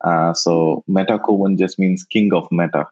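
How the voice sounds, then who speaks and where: A man whose first language is Tamil, answering interview questions in a halting way and often repeating words as he thinks. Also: low-pitched, fairly even intonation, darkish tone. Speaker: guest, NFT investor. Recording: dull lo-fi sound.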